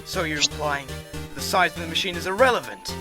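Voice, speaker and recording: A man's voice: fairly high pitch, brisk, lightly acted. A man in an English game fan dub playing a haughty, easily flustered young prosecutor in a formal, indignant, theatrical way. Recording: amateur dub under loud music.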